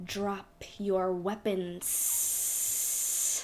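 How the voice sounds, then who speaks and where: A put-on character voice at a middle pitch, monotone and flat, over clear background noise. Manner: commanding.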